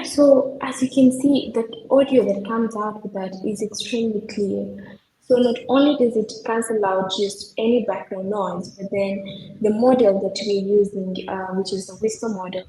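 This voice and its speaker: A woman's voice: medium pitch, steady tone, moderate pace, mellow. Young woman explaining a project, echoey room. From Kenya. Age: young adult. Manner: earnest, explanatory, frequent fillers. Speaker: software developer presenting her team's project. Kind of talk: technical project demo. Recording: echoey room with faint background noise.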